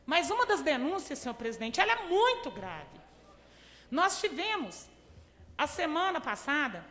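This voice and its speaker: A woman with a Minas Gerais accent gives an indignant council speech in a very high, bright voice. She presses her case with pointed rhetorical questions. Long reverb from the chamber trails each phrase. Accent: Brazilian Portuguese, Minas Gerais. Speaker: city councilwoman.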